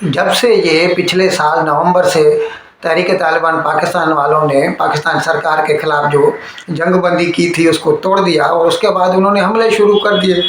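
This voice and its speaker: A man's voice: a little high, fairly bright tone. A man with a South Asian accent giving news commentary, explaining conversationally to viewers and mixing in English terms. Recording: very echoey room, faint background noise.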